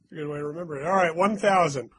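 A man's voice: a little high, racing, a bit bright, slightly rough, no room sound. Playful man hosting a podcast quiz. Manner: playful, teasing, hums little doot-doot jingles. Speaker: quiz host. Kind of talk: casual podcast quiz reading.

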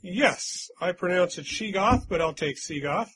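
A man's voice: high-pitched, lively intonation, unhurried, a bit bright, breathy edge. A man hosting a casual trivia quiz among friends, reading out clues and teasing the players in a chatty way. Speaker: quiz host. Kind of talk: casual game-show chat with friends.

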